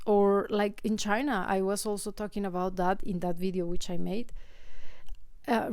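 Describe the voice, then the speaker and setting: A young Mexican woman speaking English with a Mexican Spanish accent, a native Spanish speaker commenting to camera in an animated, exasperated way with many fillers and restarts. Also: medium pitch, clean tone, no echo. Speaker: vlogger.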